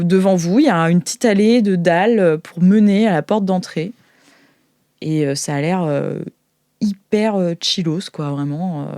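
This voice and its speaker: A woman with a French accent improvising narration as game master of a sci-fi tabletop game, informal and descriptive, halting as she searches for words. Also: fairly low pitch, mellow, no echo, clean studio sound.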